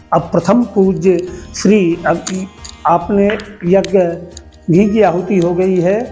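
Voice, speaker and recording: A man leading a home fire ritual as priest, giving plain step-by-step instructions between slow, drawn-out chants. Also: sits high, warm tone.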